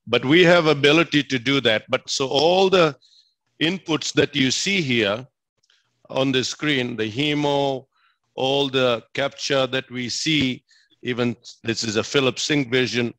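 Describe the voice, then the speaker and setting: During a spoken Q&A at a presentation, a Fijian physician responds with enthusiasm and emphasis, frequently saying things more than once. His voice is medium-pitched and fairly bright, captured in a dry recording.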